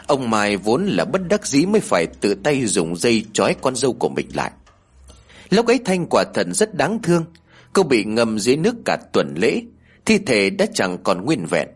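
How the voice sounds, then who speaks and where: A male storyteller reading a village ghost tale aloud, his husky voice rising and falling with lively inflection. He narrates in an expressive, measured way. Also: fairly low pitch.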